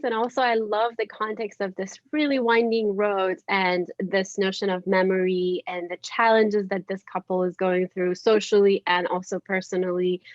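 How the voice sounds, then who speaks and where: A woman with an Iranian accent speaks enthusiastically in an easy panel chat. Her pitch sits in the middle, and the sound is dry and slightly dull, like a video call. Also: no echo. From Iran. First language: Persian. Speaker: theater artist, panel guest. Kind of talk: casual panel conversation.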